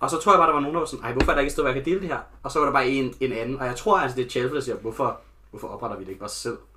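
Against noticeable background noise, someone talks at a very fast pace with ordinary pitch variation. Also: man, fairly high pitch for a man. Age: 20s. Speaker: larp community admin. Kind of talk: podcast interview.

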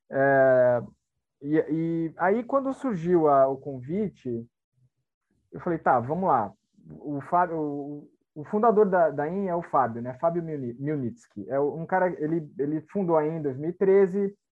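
Speaking at a very slow pace with long, frequent pauses, a man uses lively intonation at a fairly high pitch. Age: 40s. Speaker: creative director, brand designer. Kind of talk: casual interview. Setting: video call.

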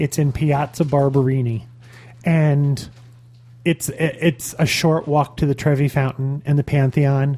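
A somewhat breathy man with a dark, mellow tone and fairly high pitch, at a fairly slow pace and with fairly even intonation. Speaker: traveler sharing trip stories. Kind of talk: casual chat.

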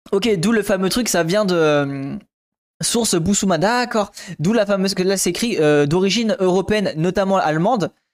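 A high-pitched man speaks at a moderate pace with very even loudness. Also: ordinary pitch variation. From northern France, Picardy. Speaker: streamer. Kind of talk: reading aloud with commentary. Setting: live stream. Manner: halting, frequent hesitations.

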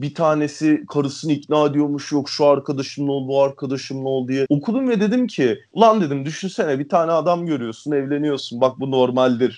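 Delivered at a fairly quick pace with hardly any pauses, a plain, everyday voice shows ordinary pitch variation. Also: man, fairly high pitch for a man. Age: 20s. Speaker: mechanical design engineer, listener guest. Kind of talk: casual chat.

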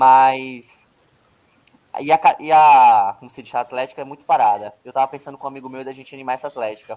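A man with a normal speaking voice talks at a fairly quick pace and medium pitch, his intonation fairly even but his loudness swinging widely. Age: 20s. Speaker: medical student and physics tutor. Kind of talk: casual chat.

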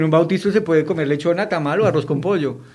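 An unremarkable speaking voice from a man, fairly high in pitch, with fairly even intonation and a moderate pace. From Colombia, Bogotá. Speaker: photographer. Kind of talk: casual chat. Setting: studio.

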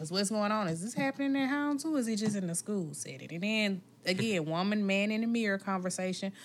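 A woman with a plain, everyday voice, medium pitch and lively intonation. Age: 30s. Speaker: therapist and podcast co-host. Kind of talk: casual chat.

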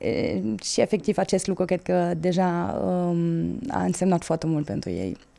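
Someone with a German accent speaks at a fairly slow pace. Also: woman. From Germany. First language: German (speaking Romanian). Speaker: corporate CSR manager. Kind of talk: podcast interview. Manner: hesitant, many fillers.

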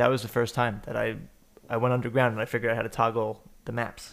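Fairly even intonation is heard on a very clean recording with a silent background. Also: man. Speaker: video game podcast co-host. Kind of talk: casual chat. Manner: loud.

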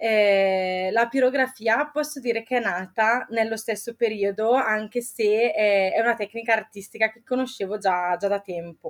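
A woman's fairly high voice at a fairly slow pace, with ordinary pitch variation and hardly any pauses. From northern Italy, province of Bergamo. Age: 20s. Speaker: wood pyrography artisan. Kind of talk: interview conversation. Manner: hesitant, with fillers and repetitions.

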